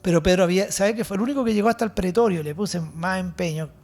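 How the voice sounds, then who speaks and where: A man with a Chilean accent preaching a sermon as pastor, fervent, his points sometimes trailing off to a hush. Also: high voice, fast talker.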